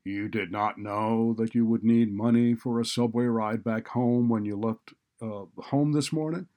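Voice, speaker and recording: A man voicing a callous, sarcastic male college dean in a story, loud and exasperated. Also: fairly low pitch, animated, unhurried. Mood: sarcastic, angry. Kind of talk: audiobook character dialogue.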